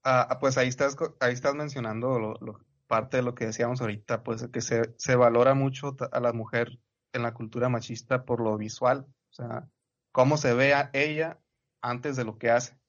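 A man's voice: mid-range voice, fairly even intonation, moderate pace. Slangy Mexican man, dull lo-fi sound. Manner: laid-back slangy talk, peppers sentences with "güey". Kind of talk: casual podcast chat.

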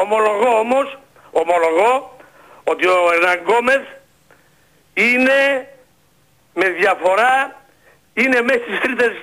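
A man playing a loud, know-it-all basketball fan in a radio comedy sketch, ranting and tripping over his words. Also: very high-pitched, full character voice, poor audio.

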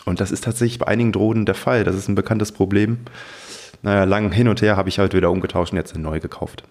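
A man's voice: deep voice, fairly even intonation, quick pace, darkish tone. A man co-hosting a podcast, chatting in an enthusiastic, informal way. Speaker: podcast co-host and hobby drone pilot. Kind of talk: casual podcast chat.

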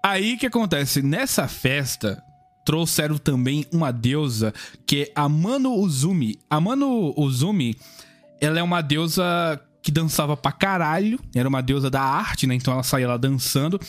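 A man's voice: on the high side, animated, moderate pace, soft background music. A Brazilian man casually retelling a myth on a podcast, crude and joking, acting out the characters in raised voices. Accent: Brazilian Portuguese. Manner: jokey, crude, acts out the gods in raised voices. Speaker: podcast host.

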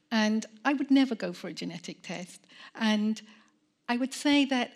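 Woman academic, firm and earnest, Caribbean-born. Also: medium pitch. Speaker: professor, panelist. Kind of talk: live panel discussion.

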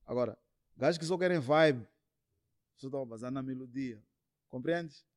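Male musician guest, casual interview chat. Halting, repetitive phrasing with English slang, very dry sound. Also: medium pitch, darkish tone, no echo.

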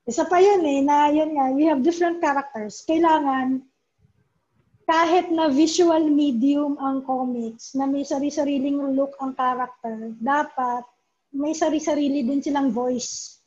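Her voice sits high with a steady tone, slightly slow pace and a darkish color: a comics writer from the Philippines chatting as an interview guest. She slips English into her Tagalog and often tags on "di ba?" in this casual talk, captured on a dull lo-fi recording.

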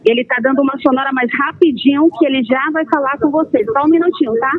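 A woman field reporter giving a live report with brisk, conversational reporting, heard over a crackly phone line. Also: high voice.

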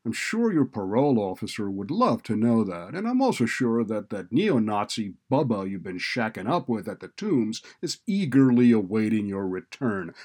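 A man's voice: fairly low pitch, darkish tone, husky, heavily acted. A man voicing a cynical, bullying college administrator who talks in a blunt, sardonic, browbeating way.

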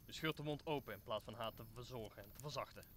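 A male actor plays an optimistic old counsellor in a Shakespearean radio play. He declaims formally and earnestly in a mid-pitched, bright voice. A faint noise sits behind him. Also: quick pace, close to an everyday voice. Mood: idealistic, declaiming. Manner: formal, speechifying. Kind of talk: Dutch audio drama acting of Shakespeare.

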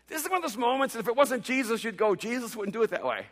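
This middle-aged Salvadoran preacher, Spanish his mother tongue, has a very high voice and talks quickly and with great animation. On the stage microphone of a big church hall, his sermon shifts from loud proclamation to hushed softness.

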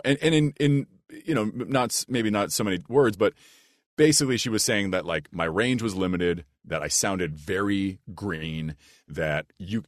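A man with a big, low, rich voice who talks earnestly and thoughtfully as a voice actor guest in a casual podcast chat. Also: dry recording, studio quality. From United States. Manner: earnest and reflective, with restarts and "like".

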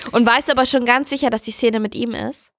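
Higher-voiced woman chatting, teasing, dry close mic. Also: no room sound. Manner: teasing, encouraging. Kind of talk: casual chat.

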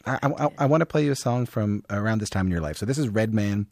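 Lively-voiced male radio host. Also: fairly low pitch, fast, gravelly, dry recording, clean studio sound. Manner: engaged, conversational, friendly stammering restarts. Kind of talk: radio interview. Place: radio studio.

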